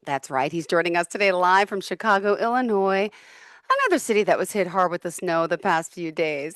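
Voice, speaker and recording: A woman's voice: mid-range voice, fairly bright tone, no echo, clean studio sound. A woman hosting a podcast interview, enthusiastic and affirming toward her guest. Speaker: podcast host.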